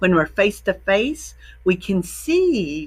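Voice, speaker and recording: The speech comes in a strong Southern US accent at a very slow pace. The recording is very clean, with a silent background. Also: woman. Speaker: minister and success coach. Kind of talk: class on mindfulness. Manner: casual, hesitant with fillers.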